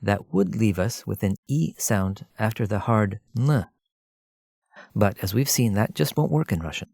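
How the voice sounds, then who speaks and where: A man narrating a scripted language lesson as a teacher, explaining in a measured way and addressing the listener directly. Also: on the low side, expressive, vocal fry, darkish tone, dry recording.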